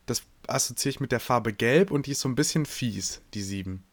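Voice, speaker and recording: A man co-hosting a podcast in casual chat, cracking deadpan jokes and absurd asides. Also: medium pitch, brisk. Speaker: podcast co-host.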